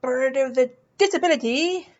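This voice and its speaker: A woman chatting casually in a personal vlog, goofy and playful, swearing freely and haltingly repeating words as she searches for them. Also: high-pitched, muffled recording. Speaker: vlog host. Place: indoors, lying in a hospital bed with a fan running.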